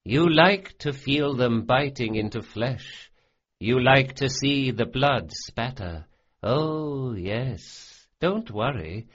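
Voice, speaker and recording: A man's voice: mid-range voice, lively intonation, takes it slowly, fairly bright tone, highs cut off, pitched above the performer's own voice. A man voicing a smug, cruel male sorcerer who sneers and relishes every cruelty. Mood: gloating.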